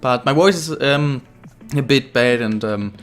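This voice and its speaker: A man's voice: mid-range voice, unhurried. A young man, slightly ill with a weak voice, rambling through gaming commentary with fillers and restarts. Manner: rambling, many restarts and fillers, non-native phrasing. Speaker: gaming YouTuber. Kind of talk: casual career-mode commentary. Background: faint music.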